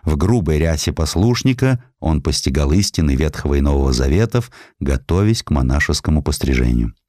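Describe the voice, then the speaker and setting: Deep-voiced male narrator, dry studio sound. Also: animated, brisk, a little mellow, no echo. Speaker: audiobook narrator. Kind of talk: dramatic scripted narration of a historical story.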